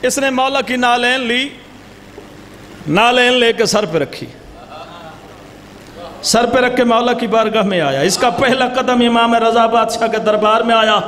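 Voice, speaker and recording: A man's voice: extremely high pitch, a little slow, pauses often, a bit bright. A man with a Pakistani accent giving a devotional storytelling oration, declaiming and urging the crowd to respond. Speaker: religious orator. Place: large gathering hall. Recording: reverberant hall, faint noise.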